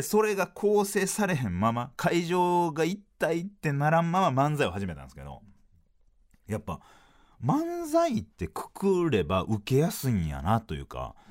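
This man speaks with a Kansai accent and tells his story as an easygoing podcast monologue. His pitch swoops high and low all the time, which makes him sound animated. His voice sits at an ordinary male middle pitch. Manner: animated, sing-song delivery with swooping pitch. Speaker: podcast host, comedian.

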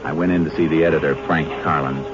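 Deep-voiced, no-nonsense Texas Ranger. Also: male voice, fairly even intonation, fast, dull audio, music in the background. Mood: narrating. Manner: terse, firm, matter-of-fact. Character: steady, no-nonsense male Texas Ranger lawman. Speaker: lead and narrator. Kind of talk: 1950s radio drama acting. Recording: noisy band-limited 1950s radio recording.

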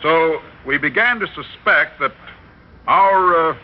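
Man doing a scientist at a press briefing, halting delivery, slightly high voice, vintage radio play, dull lo-fi sound. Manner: halting, with fillers. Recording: dull old radio recording.

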